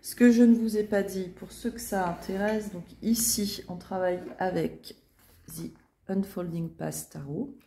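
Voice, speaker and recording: A woman's voice: medium pitch, fairly even intonation, normal speed, few pauses, mellow, slight background noise. A woman giving a chatty tarot reading, with many fillers and restarts. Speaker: tarot reader. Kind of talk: casual tarot reading video.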